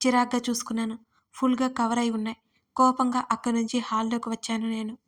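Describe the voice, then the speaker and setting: A woman's voice: on the high side, level tone, quick pace, fairly bright tone. A woman narrating an emotional first-person audio story with a dramatic storytelling manner.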